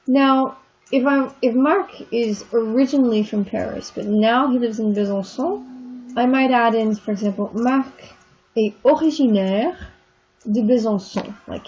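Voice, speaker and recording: A woman teaching a language class, talking slowly and patiently as she works through examples. Her voice sits a bit high and sounds husky. The recording is somewhat dull and muffled. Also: darkish tone. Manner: patient, explanatory, repeats and spells out examples. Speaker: French teacher. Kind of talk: recorded lecture walking through textbook exercises.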